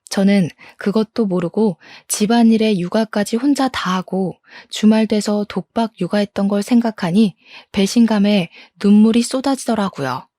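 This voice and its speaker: 차분하게 사연을 읽어주는 여자. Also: female voice, medium pitch, dry recording, studio quality. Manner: calm, confessional storytelling. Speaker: story narrator. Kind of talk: first-person story narration.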